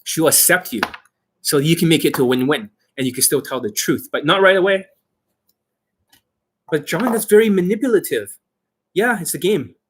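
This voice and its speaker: A man giving informal coaching to online viewers as their host, brash and boastful, with emphatic, sweary delivery and a slightly rough, husky voice. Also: on the high side, normal speed, pauses often, slight background noise. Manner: acts out mock exchanges, emphatic.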